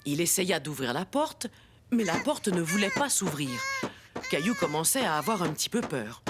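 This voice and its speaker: A woman playing a kindly storyteller, narrating a children's cartoon in a gentle, expressive way. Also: on the low side, normal speed. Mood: storytelling. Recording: music behind the voice.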